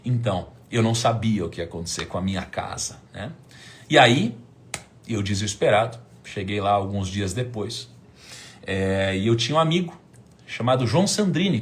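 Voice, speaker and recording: A Brazilian man in his thirties tells a story from his own life on a live stream. He acts out old conversations in different voices, drops almost to a whisper, then bursts out loud and high. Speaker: host telling a personal story.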